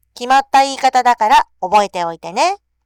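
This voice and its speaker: A cartoonish character voice at a fairly quick pace with big swings in loudness. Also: woman, high pitch for a woman, very wide pitch swings. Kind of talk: language lesson explanation. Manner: clear, patient.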